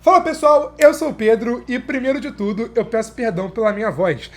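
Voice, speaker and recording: A man's voice: very high-pitched, fairly quick, soft background music. A Brazilian man with a stuffed nose and sore throat, chatting enthusiastically as he reviews a TV series for his viewers. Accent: Brazilian Portuguese. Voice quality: nasal, stuffy. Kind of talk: casual video commentary.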